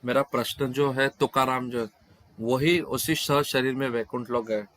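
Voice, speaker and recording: A man speaking over an online video call, interpreting questions and answers at a devotional scripture class. His voice sits at an ordinary middle pitch. He often stops mid-word and starts the phrase again. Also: fairly even intonation, normal speed, a bit bright.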